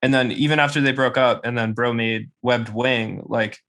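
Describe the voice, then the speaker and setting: A man's voice: mid-range voice, steady tone, normal speed, fairly bright tone. Rambling man, filler-heavy chat. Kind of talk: casual podcast conversation.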